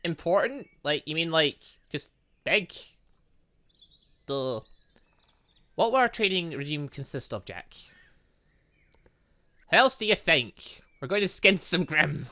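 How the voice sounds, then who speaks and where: Chatty man with a bright, forceful voice. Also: on the high side, big pitch swings, slow pace, long pauses. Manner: chatty, rambling, self-interrupting. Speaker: gaming YouTuber. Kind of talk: casual let's play commentary with reading aloud.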